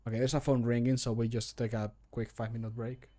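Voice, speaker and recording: A man's voice: mid-range voice, little pitch movement, quick pace, warm tone. A man in his thirties chatting casually as he records voice lines, self-critical and joking as he thinks aloud. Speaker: streamer recording mod voice lines. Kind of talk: casual livestream chat. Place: small home room. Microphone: close desk microphone.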